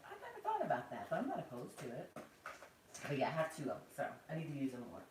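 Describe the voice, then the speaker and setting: A woman hosting a casual planner livestream with a soft, soothing voice, chatty and quick to laugh, speaking. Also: low-pitched. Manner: chatty, laughs often, slow and relaxed. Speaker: planner channel host. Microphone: external mic, later removed. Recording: roomy, distant, faint background noise.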